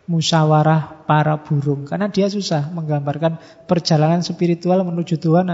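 A man's voice: fairly high pitch, mellow. A man giving a classroom lecture in a conversational way, often asking rhetorical questions and acting out his students. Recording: dull, echoey hall recording.

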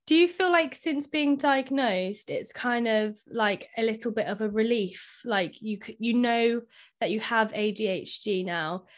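A woman's voice: fairly high pitch, measured pace. Friendly woman podcast host. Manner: friendly, asks long questions with fillers. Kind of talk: podcast interview.

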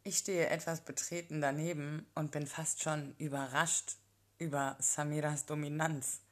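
A woman narrating a first-person erotic story in a calm, intimate storytelling manner. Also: low-pitched, measured pace.

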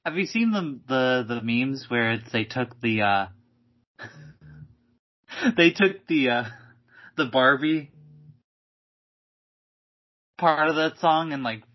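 A man's voice: medium pitch, lively intonation, slow pace, pauses often. A man co-hosting a podcast in casual chat, hesitant and full of likes and restarts. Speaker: podcast co-host. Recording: dull lo-fi podcast audio.

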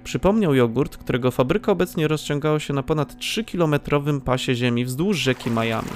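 A man narrates a scripted audio drama in a slightly high voice. Faint music plays behind his narration. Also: fairly quick.

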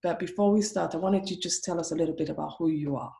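A woman from Africa hosts a conversation, earnest and emphatic. She slows down to stress her points. Her voice sits very low with a gravelly fry, and the room echoes around her. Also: mellow. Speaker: host. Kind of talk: conversational interview.

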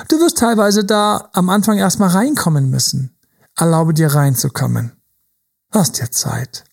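A man's voice: high voice, vocal fry, darkish tone, husky. A man giving a motivational talk as a relationship coach, emphatic and dropping now and then into whispers to act out inner voices. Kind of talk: motivational monologue.

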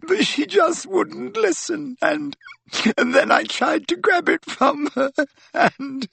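A distraught teenage girl, played by a male narrator in an audiobook story. The voice is pitched high and quavers with breathy sobs, tearful all the way through. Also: slow, a bit bright, exaggerated voice. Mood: wailing, tearful. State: crying.

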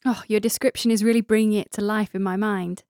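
A woman's voice: mid-range voice, steady tone, a little fast, darkish tone, dry recording, clean studio sound. A woman hosting a podcast, introducing segments and interviewing a guest in an encouraging way. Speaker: podcast host.

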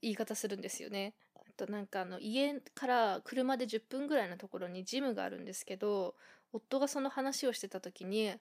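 Japanese woman chatting on her own podcast, lots of little fillers, easygoing mid-pitched voice. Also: brisk, darkish tone. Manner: chatty, thinking aloud with many fillers. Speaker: podcast host. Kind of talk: casual solo podcast talk.

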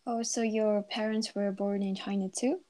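A woman interviewing a guest in a relaxed conversational way, offering guesses and soft fillers to prompt her answers. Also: mid-range voice, moderate pace.

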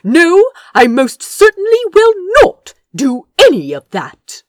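A woman's voice: medium pitch, very animated, takes it slowly, dry recording, clean studio sound, voice pushed up. A woman voicing an earnest, indignant young prince in an audiobook, speaking firmly with precise, emphatic phrasing. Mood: firm refusal. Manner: firm, precise, emphatic speech. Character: young man, earnest, indignant prince defying his brother. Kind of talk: dramatic audiobook character dialogue.

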